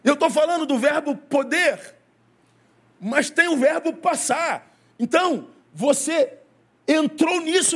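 A middle-aged male pastor preaching a sermon to a congregation in church, with wide swings of pitch and pace, asking the congregation questions.

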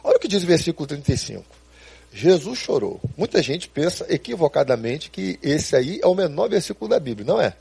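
A man preaching a sermon as a pastor, animated and storytelling, speaking straight to his listeners. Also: fairly high pitch, a little fast, vocal fry, breathy edge, dry recording.

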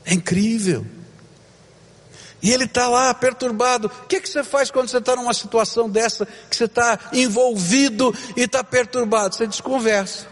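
A male pastor preaching a sermon, with dramatic swings between loud emphasis and hushed, slow moments. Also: very high voice, big-room sound.

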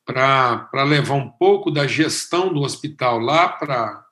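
Bright-voiced Brazilian pastor preaching. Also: male voice, medium pitch, a little slow, echoey room. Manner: conversational preaching with animated emphasis. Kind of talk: sermon.

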